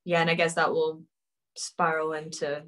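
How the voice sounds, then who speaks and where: A woman with a lowish voice talks easily about the story with her writing partner. She sounds relaxed and chatty, and she is heard over a video call. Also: normal speed. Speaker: co-writer at a table read. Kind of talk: casual chat after a table read.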